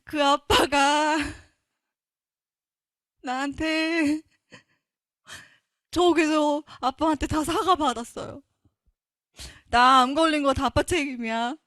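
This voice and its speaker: A woman's voice: high-pitched, moderate pace, a bit bright, no room sound, studio quality. A woman giving an earnest, emotional Christian testimony. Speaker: testimony speaker.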